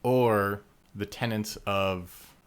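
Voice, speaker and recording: Low-voiced man teasing his co-host. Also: steady tone, extremely slow, smooth. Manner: teasing, reads long passages evenly. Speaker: podcast co-host. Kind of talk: casual chat and reading lore aloud.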